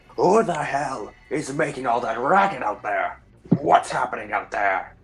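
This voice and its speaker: A man puts on a character voice at a medium pitch. He talks at a moderate pace. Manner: screaming, irritated.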